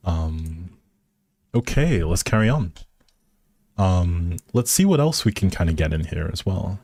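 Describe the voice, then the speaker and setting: A man livestreams a life simulation game, chatting casually and thinking aloud in an easygoing way as he plays. His voice sits low with a darkish tone, sing-song and unhurried.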